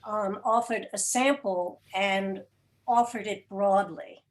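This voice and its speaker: A mature woman speaking reflectively as an interview guest on a video call, articulate, with thoughtful pauses mid-sentence. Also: medium pitch, steady tone. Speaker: interview guest, theater podcast producer. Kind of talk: reflective conversational talk. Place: indoor room, video call.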